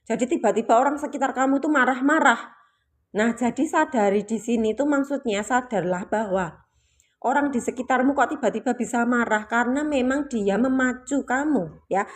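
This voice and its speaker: A woman's voice: on the high side, normal speed. A woman giving a reflective spiritual talk to her listeners, patient and explanatory, often repeating her key points. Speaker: spiritual teacher.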